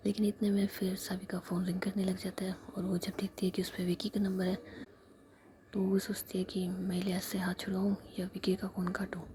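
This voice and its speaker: A woman narrating a story in a soft, steady whisper. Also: medium pitch, a little fast, noisy background.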